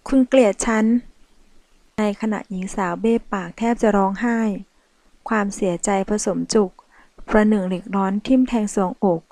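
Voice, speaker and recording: A woman reading a dramatic novel aloud in a steady storytelling voice. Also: medium pitch, normal speed, no room sound. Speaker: audiobook narrator. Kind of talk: scripted novel narration.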